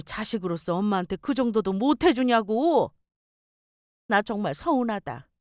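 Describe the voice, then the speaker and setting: A woman playing a shrill nagging mother-in-law. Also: no room sound, clean studio sound, close to an everyday voice. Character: scolding older mother-in-law, guilt-tripping and demanding.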